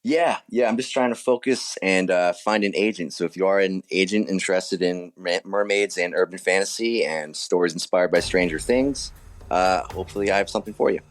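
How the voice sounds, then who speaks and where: A man's voice: deep voice, brisk, no room sound. A man speaking informally and modestly as an author being interviewed in a casual chat.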